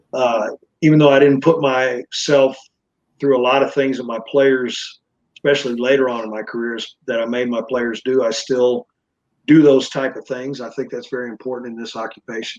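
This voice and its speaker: With a Texan accent, a man speaks at a medium pitch. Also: ordinary pitch variation, moderate pace. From Texas, Dallas. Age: 60s. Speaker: former strength and conditioning coach. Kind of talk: interview. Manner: halting.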